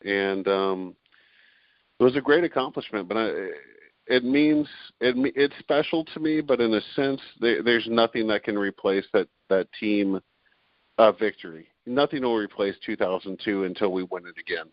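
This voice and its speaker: A man in his forties, a beep baseball player and league president, speaks earnestly as a guest in a conversational podcast interview, with frequent restarts and fillers. His voice is lowish at a moderate pace, and the dry recording has its highs cut off.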